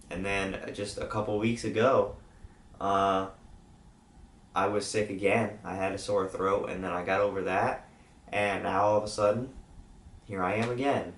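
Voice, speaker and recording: This young YouTuber has a deep but weak, sore-sounding voice and talks casually through a channel update, stumbling over fillers and restarts. The mic sits at a distance in a roomy space, and slight background noise can be heard.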